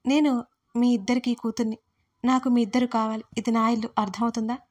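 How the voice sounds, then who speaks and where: A woman's voice: on the high side, steady tone, a little fast, darkish tone, natural voice. A woman voicing a hurt, demanding adult daughter who confronts her parents in an audiobook family drama. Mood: tearful. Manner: reproachful, emotional. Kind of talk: audiobook role reading.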